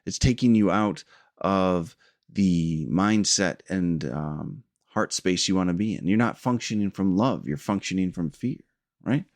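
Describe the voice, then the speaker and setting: Earnest low-voiced man teaching. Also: no echo, clean studio sound. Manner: earnest, reflective, with fillers and pauses. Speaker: spiritual teacher. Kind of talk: informal spiritual teaching.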